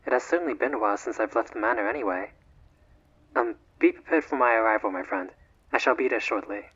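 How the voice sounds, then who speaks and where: A man voicing a bored, courteous immortal vampire in a roleplay audio, with formal, measured, slightly haughty old-fashioned diction and a husky voice. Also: fairly low pitch, fairly bright tone, dull audio. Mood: pleased. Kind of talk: scripted roleplay audio drama, one side of a phone call.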